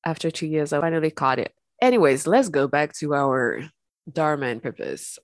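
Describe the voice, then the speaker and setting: A woman hosting a spiritual podcast, talking gently and calmly while congested from an illness. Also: deep voice, normal speed, dry recording, clean studio sound. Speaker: podcast host. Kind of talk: calm spiritual podcast talk.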